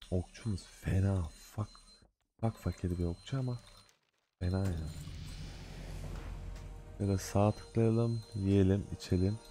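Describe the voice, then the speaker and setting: A man's voice: low voice, mellow, a little hiss or hum. A man casually commenting on his own game as he plays, chatting loosely and scolding the game in mock annoyance. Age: adult with a day job. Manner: loose slangy banter. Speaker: gaming video host. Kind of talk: casual let's-play commentary.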